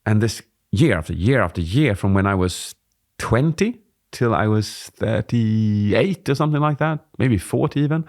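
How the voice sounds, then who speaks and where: A man in his forties, a presentation coach, explaining at a relaxed pace as he co-hosts a podcast on a studio mic. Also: on the low side. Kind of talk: casual podcast chat. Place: dim studio with warm lamps. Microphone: studio mic on boom arm.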